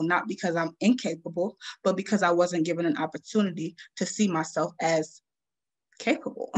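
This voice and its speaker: Young woman, lowish voice, earnest measured talk, webcam video call, home room. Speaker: student advocate speaker. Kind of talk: prepared panel talk. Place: home room, plain wall. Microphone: laptop webcam on a video call.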